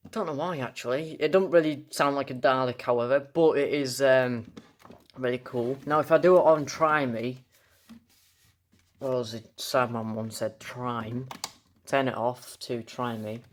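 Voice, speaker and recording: A young man giving a casual, unscripted toy review, rambling enthusiastically and often repeating himself. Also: medium pitch.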